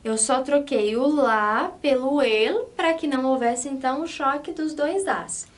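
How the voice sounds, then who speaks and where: A woman's voice: high-pitched, measured pace. A woman teaching a language lesson, explaining patiently step by step, switching between two languages and checking that students follow. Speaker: Spanish teacher.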